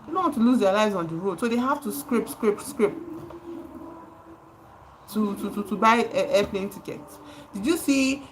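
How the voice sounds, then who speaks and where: A woman's voice: mid-range voice, expressive, moderate pace, pauses often, slight background noise, low-quality recording. A Nigerian woman livestreaming, speaking with passion, repeating words for emphasis and greeting her chat viewers. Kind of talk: live stream commentary.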